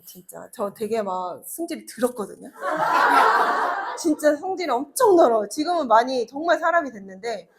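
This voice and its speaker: A woman in her thirties giving a chatty motivational talk to an audience, telling personal stories with laughs and acted-out quotes. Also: sits high. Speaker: network marketing speaker.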